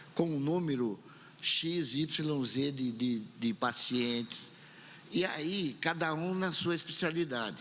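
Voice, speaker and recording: A man's fairly high voice with lively intonation and audible room echo. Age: 70s. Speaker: physician. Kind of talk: public hearing speech. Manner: animated.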